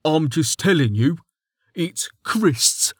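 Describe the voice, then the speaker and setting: Mig: cocky, dense young guard, teasing and stubborn, as the narrator puts him on; raised pitch, dry sound. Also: expressive, slow, breathy edge, dry recording. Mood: insistent. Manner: teasing, stubborn conspiracy talk. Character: dim, cheeky young male guard.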